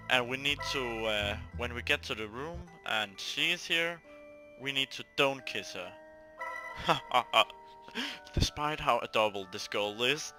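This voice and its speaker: Halting man reading a visual novel, music behind. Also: on the low side. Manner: halting reading, stumbling and repeating words. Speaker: gaming video host. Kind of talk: reading a visual novel aloud with casual commentary.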